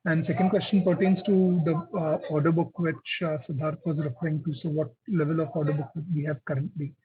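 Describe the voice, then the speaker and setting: A man's voice: on the high side, flat delivery, a little fast. A man speaking as a financial analyst, asking company management his questions on an earnings conference call. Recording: phone-like conference call line.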